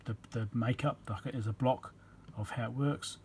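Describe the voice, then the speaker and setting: Mellow-voiced man explaining electronics repair casually. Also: medium pitch, steady tone, moderate pace, a little hiss or hum. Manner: rambling, matter-of-fact, thinking aloud.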